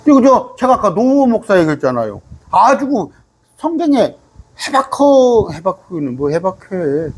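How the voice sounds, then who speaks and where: A middle-aged male pastor teaching scripture in a lively, rising-and-falling voice that sits a little high for a man. He talks in a loose, conversational way, tosses rhetorical questions at his listeners, and slows right down when he reads verses aloud. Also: slightly rough. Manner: reads scripture aloud slowly, sometimes singing it. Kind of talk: bible study sermon.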